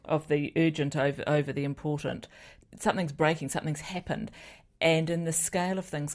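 A woman news editor speaking in an interview with a very low voice. She makes her points earnestly and with emphasis. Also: creaky. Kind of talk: interview answers.

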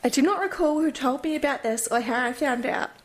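High-pitched woman reading a formal statement. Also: fairly quick. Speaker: court witness statement. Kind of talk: read-out statement.

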